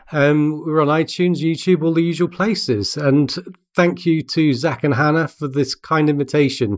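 Speaking in an English accent, a man uses a fairly high pitch with ordinary pitch variation at a moderate pace. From England. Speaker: podcast guest. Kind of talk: casual chat.

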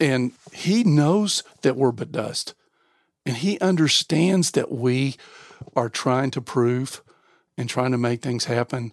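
In a normal speaking voice, a man talks at a medium pitch and a fairly slow pace, the sound dry and close with no echo. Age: 60s. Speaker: real estate developer and lay minister. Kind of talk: casual interview about faith. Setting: studio.

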